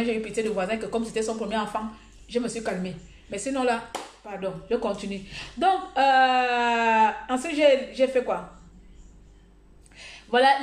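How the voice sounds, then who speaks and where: A fairly high-voiced woman talks straight to her viewers in a casual vlog, blunt and humorous, telling stories with lively energy. Her voice rings around a roomy, echoey space. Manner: blunt, humorous, animated storytelling. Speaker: lifestyle vlogger giving advice. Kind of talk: casual monologue to camera. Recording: echoey room.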